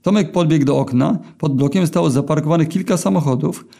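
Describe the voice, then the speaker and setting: Man with a gravelly, dark voice reading. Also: on the high side, fairly quick. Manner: deadpan, with hesitations. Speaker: narrator. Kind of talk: reading his own short story aloud.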